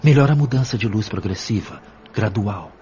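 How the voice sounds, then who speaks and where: Actor as deep-voiced, wise spirit mentor. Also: male voice, warm tone, natural voice. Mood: cautious, instructive. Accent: Brazilian. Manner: measured, instructive, solemn. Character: wise, patient male spirit mentor guiding pupils. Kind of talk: radio drama acting. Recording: dull lo-fi audio, faint background noise. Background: faint noise and ambience.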